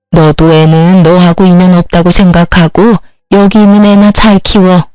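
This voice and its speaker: A woman voicing a stern, domineering older mother-in-law who talks in a slow, heavy, commanding way. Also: fairly low pitch, darkish tone, dry recording, lightly acted, low-quality recording.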